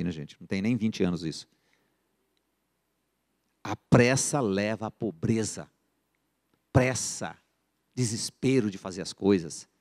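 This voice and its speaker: A middle-aged man with a Brazilian accent teaching a church finance course, telling stories and acting out buyers and sellers in the dialogues. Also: on the low side. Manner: lively storyteller who acts out buyer and seller dialogues. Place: church sanctuary. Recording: long church reverb.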